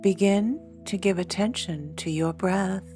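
A woman leading a guided meditation in a soothing, deliberate way, pausing often between short phrases. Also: medium pitch. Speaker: meditation guide, podcast host. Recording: background music. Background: soft instrumental music.

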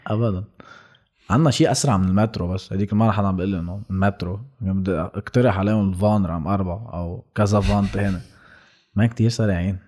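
Fast-talking Lebanese man, casual storyteller. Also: deep voice, fairly even intonation, darkish tone. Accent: Lebanese Arabic. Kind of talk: casual chat, anecdotes.

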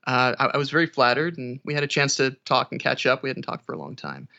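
A man's voice: medium pitch, sing-song, fast, creaky, sharp tone. A man speaking as an interview guest, an audiobook narrator casually recounting his experiences. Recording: dull, band-limited audio.

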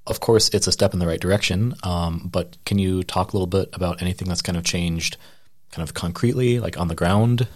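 A man interviewing a guest, asking measured questions with many hedges. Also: sits low, fairly even intonation. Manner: measured, hedging with "kind of".

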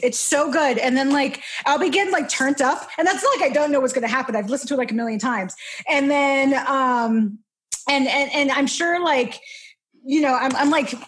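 At a moderate pace and with a voice that sits high, a twentysomething woman guests on a podcast for a casual chat. Her talk wanders, punctuated by laughter and self-interruptions.

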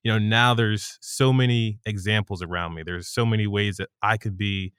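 A man's voice: on the low side, steady tone, moderate pace, a bit bright, clean tone, dry recording, studio quality. A man co-hosting a podcast, asking questions and affirming the guest in a conversational way. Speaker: podcast co-host. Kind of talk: conversational interview.

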